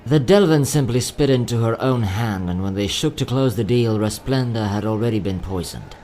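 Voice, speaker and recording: A man playing a courteous, quietly sad young travelling merchant in a fantasy audio drama, speaking in polite, theatrical salesman's patter. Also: on the low side, lively intonation, normal speed, slight background noise, natural voice. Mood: grieving. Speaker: voice actor.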